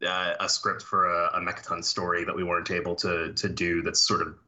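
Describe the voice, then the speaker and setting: A man with a very low voice and a sharp, forceful tone. He is a comic book writer, a guest on a podcast. He talks in a halting way, full of fillers and restarts. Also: little pitch movement. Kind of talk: casual podcast interview.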